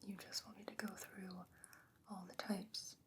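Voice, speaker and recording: A woman's voice: medium pitch, little pitch movement, natural voice. Whispering, learned fantasy sorceress played by a woman. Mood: gently exasperated. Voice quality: breathy, unvoiced whisper. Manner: measured, gently explanatory, bookish. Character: patient, learned fantasy sorceress, gently skeptical, advising a friend. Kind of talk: ASMR fantasy roleplay, soft-spoken whispering.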